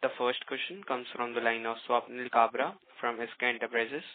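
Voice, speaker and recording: A man's voice: medium pitch, fairly even intonation, fairly quick. A man with an Indian accent moderating a conference call as the operator, polite and scripted. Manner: polite, procedural. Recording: thin narrow phone line.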